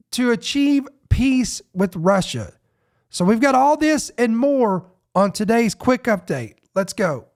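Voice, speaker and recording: Sniffly high-voiced man hosting a podcast. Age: adult parent. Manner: rambling, off-the-cuff, many restarts. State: sniffly with a head cold. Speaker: podcast host. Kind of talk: casual news podcast chat.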